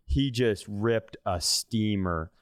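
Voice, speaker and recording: Clear-voiced man in his thirties, comic storyteller. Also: on the low side, takes it slowly, no room sound, clean studio sound. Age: 30s. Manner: profane, self-deprecating. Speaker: comedy podcast co-host. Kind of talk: casual comic storytelling and banter.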